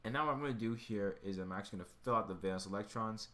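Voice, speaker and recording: A man with a fairly low voice works through an explanation as a tutor would. He takes it step by step in an informal way, thinking aloud as he goes. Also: rapid-fire, fairly bright tone. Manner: thinking aloud while working. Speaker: chemistry tutor.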